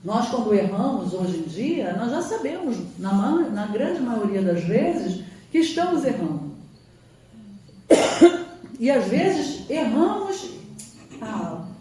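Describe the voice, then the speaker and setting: A woman's voice: fairly high pitch, big pitch swings, takes it slowly, dark tone. A woman giving an emphatic spiritual lecture, sometimes acting out quoted voices. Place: lecture hall. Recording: roomy hall from far off, faint ambience.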